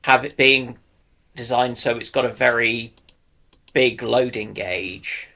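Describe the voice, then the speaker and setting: A man with a bright voice at medium pitch. He talks casually as a panelist, pausing and restarting while he thinks through his ideas. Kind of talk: casual speculative discussion.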